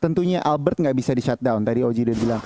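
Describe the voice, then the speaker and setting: A man's voice: mid-range voice, animated, fast, warm tone. An Indonesian man giving live esports analysis as a commentator, over background noise.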